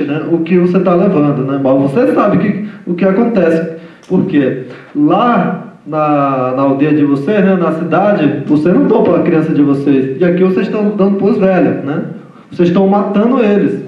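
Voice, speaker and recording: Guy speaking as guest at a lecture, halting, keeps tagging phrases, high voice, echoey far-off mic. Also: lively intonation. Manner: halting, repeats "né?" constantly. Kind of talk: informal lecture talk. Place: lecture room. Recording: echoey hall from far off, dull sound.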